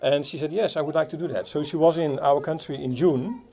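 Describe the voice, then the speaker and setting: A man with a Dutch accent giving a halting speech at a playground opening, with many fillers and restarts. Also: fairly high pitch, gravelly, dark tone, slight background noise. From Netherlands. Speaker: Rotary club speaker. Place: outdoor playground.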